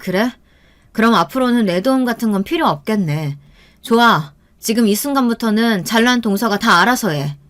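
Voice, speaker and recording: A woman's voice: fairly high pitch, animated, moderate pace, fairly bright tone. A woman voicing a long-suffering young mother who speaks with firm reproach in an audio storybook. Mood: cold anger. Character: long-suffering, exasperated young mother standing her ground.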